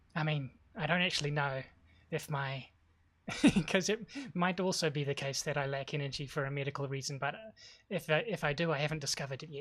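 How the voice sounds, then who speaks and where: Delivered at a very fast pace with an New Zealand accent, the speech is broken by long, frequent pauses. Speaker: game streamer. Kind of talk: casual gameplay livestream chat. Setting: home streaming setup with headphones. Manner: hesitant, many fillers.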